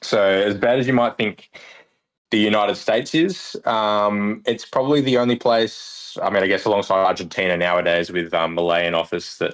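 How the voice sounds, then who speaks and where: A man with an Australian accent speaks at a moderate pace in a fairly low voice. His pitch varies in an ordinary way, and his loudness stays very even. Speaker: political commentator on social media. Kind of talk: casual podcast discussion. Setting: live stream call.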